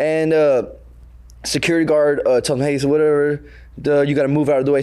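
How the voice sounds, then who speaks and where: A man speaks in an animated tone. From Texas, born in Pakistan. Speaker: cannabis business co-founder. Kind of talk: casual chat.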